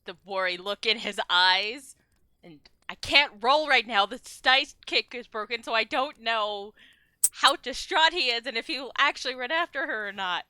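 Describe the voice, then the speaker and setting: A woman's voice: a little high, lively intonation, normal speed, bright, forceful tone, smooth, no echo. A woman playing a tabletop game, playful and chatty. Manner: playful, laughing often. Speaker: player. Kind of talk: casual game chat.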